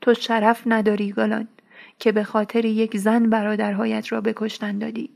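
A woman's voice: on the high side, completely flat delivery, vocal fry, darkish tone. A woman reading the lines of a proud old tribal father in his grief, pleading and anguished.

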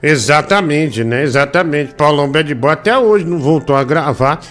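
A man from Brazil, hosting a casual live stream, slangy and teasing at an unhurried pace. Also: fairly high pitch, expressive, fairly bright tone, faint music behind. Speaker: livestream show host.

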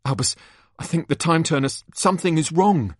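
A man's voice: a little high, expressive, a little fast, no echo, clean studio sound, voice pushed up. A man voicing a worried teenage boy in a story, speaking with nervous urgency.

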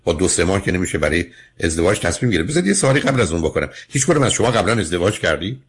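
Radio advice host, male, very low and husky, firm and lecturing. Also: big pitch swings. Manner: firm, lecturing, interrupts with questions. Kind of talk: call-in advice counseling.

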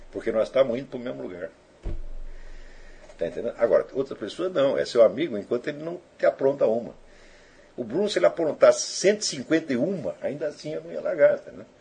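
A man's voice: mid-range voice, vocal fry, darkish tone, breathy edge. A man giving an informal spoken lecture, answering listener questions and tagging his sentences with checking questions.

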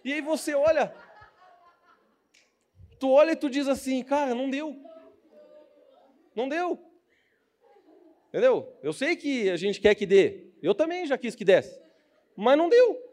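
A man's voice: very high-pitched, sing-song, moderate pace, pauses often, warm tone. A young man with a Brazilian Portuguese accent giving a casual, joking youth sermon as a preacher, acting out the people he quotes.

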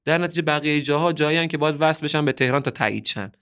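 A man's voice: fairly high pitch, a bit bright, clear, resonant tone. Earnest, opinionated man from southern Iran. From Bushehr, southern Iran. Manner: opinionated, earnest, heated at times. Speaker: podcast guest, musician. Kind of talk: casual podcast conversation.

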